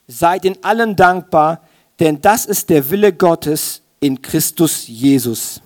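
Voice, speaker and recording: A man preaching a sermon in an informal, colloquial way, animatedly speaking straight to his listeners. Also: high voice. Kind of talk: sermon in informal youth language.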